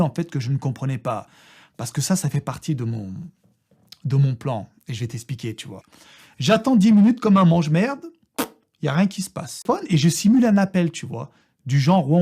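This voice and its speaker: A young man from France telling a crude, slangy comic story about a trip, full of swearing and laughing asides. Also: a little high. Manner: slangy, vulgar, animated, often laughing. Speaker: vlogger.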